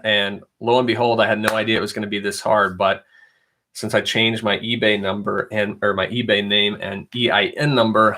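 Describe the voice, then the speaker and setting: A man's voice: fairly low pitch, pushed and bright. A young adult man hosting a casual live stream, chatting in a rambling way and reading viewer questions aloud. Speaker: reseller livestream host.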